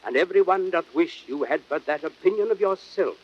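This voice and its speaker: High-voiced bitter Roman conspirator. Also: male voice, animated, brisk, muffled recording. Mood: urgent, persuasive. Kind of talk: classic Shakespearean radio acting, declamatory. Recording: noisy old audiodrama record.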